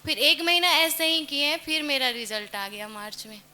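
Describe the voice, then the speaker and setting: A woman's voice: high voice, steady tone, moderate pace, pushed and bright. A woman giving a personal testimony, earnestly and devoutly recounting the vows she made.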